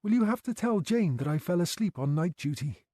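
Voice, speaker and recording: A woman's voice: fairly low pitch, expressive, fairly quick, dark tone, dry recording, pitched above the performer's own voice. A man voicing an anxious young female night care worker, talking in a worried, pleading way close to tears.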